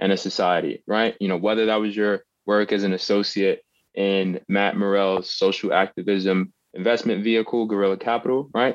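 Against a quiet background, a man speaks at a moderate pace in a plain, everyday voice with a fairly low pitch. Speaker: podcast host. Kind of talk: casual interview.

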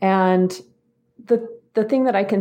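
At a moderate pace, a woman speaks with ordinary pitch variation on a very clean recording with a silent background. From Idaho, Boise area. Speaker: podcast guest, co-host of a word podcast. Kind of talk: interview, personal testimony.

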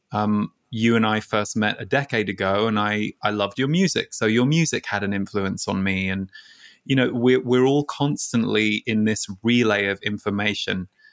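On a very clean recording with a silent background and a dry, close sound with no echo, a man with an English accent talks at a moderate pace in a fairly low voice with ordinary pitch variation. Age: 40s. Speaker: spiritual channeler and author. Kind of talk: casual interview.

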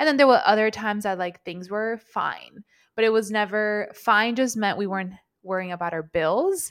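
In a very clean recording with a silent background, a woman with a plain, everyday voice speaks at a moderate pace and fairly high pitch with ordinary pitch variation. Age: 20s. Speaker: lifestyle podcast co-host and wedding photographer. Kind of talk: casual chat.

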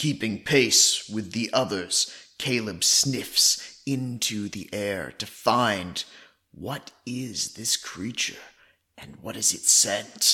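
A man puts on a character voice at medium pitch. He talks at a very slow pace. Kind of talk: third-person narration of own actions.

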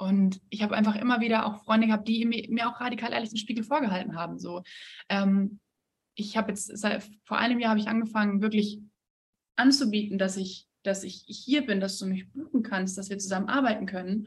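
Somewhat breathy, the speech moves along at a fairly quick pace. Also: woman, fairly high pitch for a woman, fairly even intonation. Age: 20s. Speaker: therapist. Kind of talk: casual chat.

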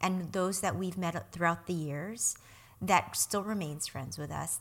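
In a normal speaking voice, a woman with an American accent talks fairly slowly at a fairly low pitch with ordinary pitch variation. The recording is very clean, the background silent. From California. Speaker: Broadway performer. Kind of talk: interview.

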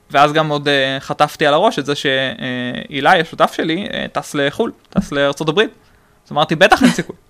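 Using ordinary pitch variation, a man with a fairly high pitch speaks at a fairly quick pace. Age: 20s. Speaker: debate coach and psychology PhD student. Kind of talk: casual interview. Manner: hesitant, many fillers.

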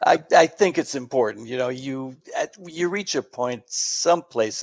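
An unremarkable speaking voice: a man with an American accent, medium pitch and ordinary pitch variation. He goes at a fairly slow pace, and the sound is dry and close with no echo. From New York City. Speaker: author. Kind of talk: interview.

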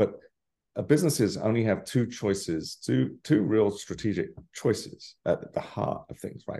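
Dark and mellow in tone, a man's fairly low voice shows vocal fry and very wide pitch swings. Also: moderate pace. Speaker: brewery co-founder. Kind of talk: casual interview chat.

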